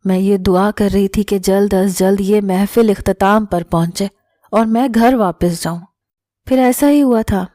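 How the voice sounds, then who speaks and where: Woman reading a heartfelt story out loud, warm mellow voice, dry close sound. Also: medium pitch, steady tone, no echo. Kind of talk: scripted first-person story narration.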